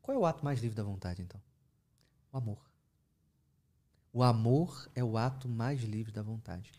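Man, therapist, conversational teaching, storytelling, lively asides. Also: mid-range voice, moderate pace. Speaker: therapist speaking about his practice.

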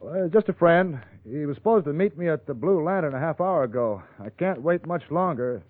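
Man as an offhand, higher-voiced radio crook. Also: lively intonation, a little fast, no echo, close to an everyday voice. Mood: offhand, wary. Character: casual, shifty male crook feigning friendliness. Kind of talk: 1940s radio crime drama acting. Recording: tinny old radio broadcast.

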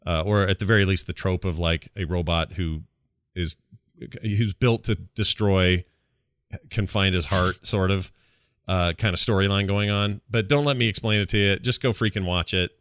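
A man hosting a casual gaming podcast, rambling along in an animated, colloquial way. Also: deep voice, normal speed, dry recording, studio quality. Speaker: podcast host.

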